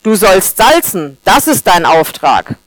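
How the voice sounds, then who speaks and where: A woman's voice: mid-range voice, very animated, slow pace, no room sound. A woman reading as a stern old salt grain, scolding, firm, storybook tale, dry sound.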